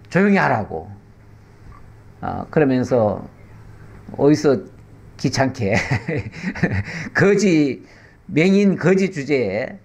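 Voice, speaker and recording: A middle-aged male pastor teaching the Bible in a conversational way, explaining with rhetorical questions and slow pauses. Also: on the high side, vocal fry.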